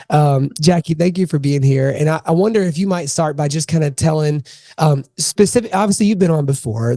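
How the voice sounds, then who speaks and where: A man's voice: fairly high pitch, mellow, no echo, studio quality. A man hosting a podcast with a slightly sick voice, chatty and joking with many fillers. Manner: chatty, with frequent fillers and jokes. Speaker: podcast host. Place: podcast studio in Memphis.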